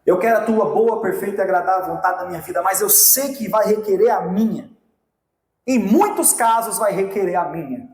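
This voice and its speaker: A Brazilian pastor in his thirties preaches with passion, calling out directly to the men and women in the pews. His voice sits high for a man. It rings with the echo of a church hall. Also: a little fast, a little mellow. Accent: Brazilian Portuguese. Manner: impassioned preaching, direct appeals to the congregation. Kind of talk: sermon. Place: church sanctuary.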